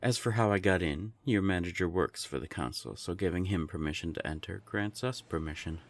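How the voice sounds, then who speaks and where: A man's voice: deep voice, a little fast, dry recording. A man voicing a smug, taunting non-binary vampire envoy with formal phrasing in a scripted audio drama.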